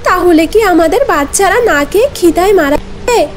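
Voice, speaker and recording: A woman's voice: very high voice, lively intonation, normal speed, soft background music. A woman voicing a caring, anxious cartoon mother bird in a pleading, earnest way. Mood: worried. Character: caring, anxious mother tailorbird with tender devotion.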